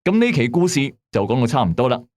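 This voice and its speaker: Animated male Cantonese storyteller from late-night radio. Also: medium pitch, quick pace. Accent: Hong Kong Cantonese. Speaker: host and narrator of a late-night strange-tales show. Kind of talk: scripted storytelling narration of mysteries and urban legends. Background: background music.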